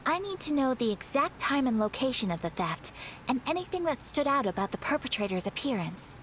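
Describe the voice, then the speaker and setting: Dignified young noblewoman, formal and measured, slightly high voice; game audio with some noise. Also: big pitch swings, poor audio. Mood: composed. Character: young noble eldest daughter, composed, dignified.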